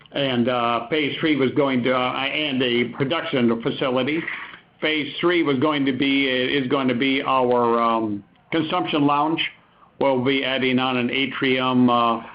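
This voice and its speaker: A man answering as a company executive on an earnings call, speaking off the cuff and often pausing mid-sentence. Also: medium pitch. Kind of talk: unscripted business answers. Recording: dull, lo-fi conference call audio.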